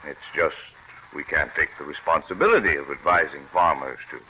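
Polite bureaucrat, very deep voice, muffled old radio sound. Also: male voice, brisk, slight background noise. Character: cautious government secretary, bureaucrat. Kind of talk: 1940s radio acting.

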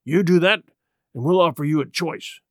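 A man voicing a rough, wrathful pirate ringleader who wheedles and threatens in salty sailor talk, for an audiobook. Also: on the high side, normal speed, dry recording, clean studio sound, lightly acted. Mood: wheedling, bargaining.

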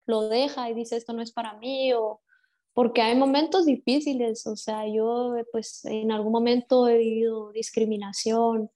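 A young woman footballer from Guatemala with a Guatemalan accent, giving measured, reflective interview answers with frequent restarts. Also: on the high side, fairly even intonation, mellow. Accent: Guatemalan Spanish. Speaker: professional footballer, interview guest.

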